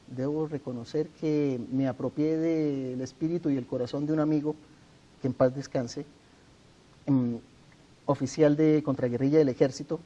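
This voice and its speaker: A middle-aged man from Colombia with a Colombian accent, answering interview questions in a measured, earnest way. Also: on the high side, warm tone, dull audio. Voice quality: measured, earnest, formal address. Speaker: interview guest, author. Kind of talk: sit-down TV interview.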